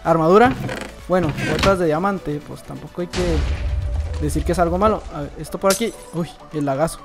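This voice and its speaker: A man's voice: a little high, a little fast, music in the background. A young man giving casual, playful commentary over his own gameplay, teasing opponents as he goes. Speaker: gaming youtuber.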